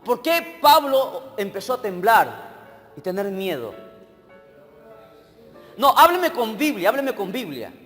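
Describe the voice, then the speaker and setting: A man with a high voice preaches a sermon in a church hall, with a long reverb trailing his words. He keeps asking his listeners questions and checking that they are with him, while faint music plays underneath. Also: big pitch swings, takes it slowly, long pauses, a bit bright. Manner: questions the congregation directly, checking they follow. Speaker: evangelist preacher.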